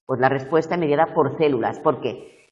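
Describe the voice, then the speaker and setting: A woman university tutor going over exam questions slowly, checking whether her students follow. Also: rumbling low, darkish tone, far from the mic, highs cut off.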